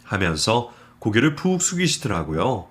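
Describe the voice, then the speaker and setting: Lively male story narrator. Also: on the low side. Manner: steady, measured storytelling.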